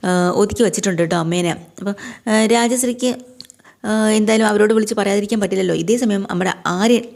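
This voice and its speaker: A woman's voice: mid-range voice, vocal fry, darkish tone. A woman casually retelling a television serial episode in a chatty way, often turning to the listener with small tag words. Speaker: storyteller recapping a TV serial episode. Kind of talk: casual spoken recap.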